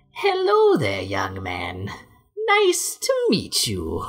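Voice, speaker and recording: This is a raspy, put-on character voice. It moves at a very slow pace. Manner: creepy.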